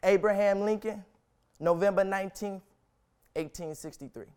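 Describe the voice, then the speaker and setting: A young man reciting a historic speech as solemn, dramatic oratory, with deliberate, emphatic phrasing and long pauses. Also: high voice, darkish tone, clear, resonant tone. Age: young adult.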